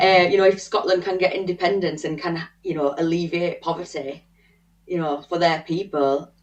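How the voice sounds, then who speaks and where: A woman speaks with a northern English accent. Her intonation is fairly even. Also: fairly low pitch for a woman, moderate pace. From northern England, Barnsley. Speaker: podcast co-host, political activist. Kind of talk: political discussion.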